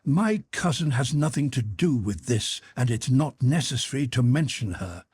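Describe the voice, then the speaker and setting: A man's voice: mid-range voice, very animated, unhurried, a little mellow, husky, no echo, voice pushed up, exaggerated voice. A man reading the part of a young nobleman gambler, proud but desperate, questioning himself in anxious, pleading inner talk. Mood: strained.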